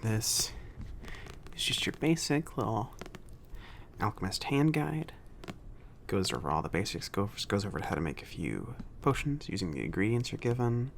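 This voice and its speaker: A man playing a friendly, awkward mage shopkeeper in an ASMR roleplay, speaking softly and haltingly, often near a whisper. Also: lowish voice, sing-song, vocal fry, a little hiss or hum. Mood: helpful, relaxed. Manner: hesitant, halting, casual.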